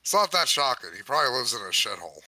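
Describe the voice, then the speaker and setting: A man's voice: mid-range voice, big pitch swings, very fast, pushed and bright, no room sound, poor audio. A man co-hosting casual, profane comedic commentary in a blunt, mocking, exasperated manner. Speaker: co-host.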